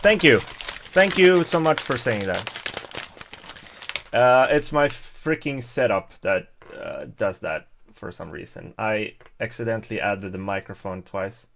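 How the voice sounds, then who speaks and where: A man from Sweden, chatting casually and haltingly on his live stream, chuckling between many fillers. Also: on the low side, fairly bright tone, slight background noise. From Stockholm, Sweden. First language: Swedish. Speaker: YouTuber hosting a live stream. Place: home setup at a table.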